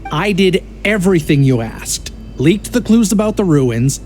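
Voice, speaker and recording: Desperate, higher-voiced family man. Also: lively intonation, unhurried, a little mellow, faint music behind. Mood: indignant. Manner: earnest, protesting, agitated. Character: desperate family man turned unwilling informant, defiant. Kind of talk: video game voice acting.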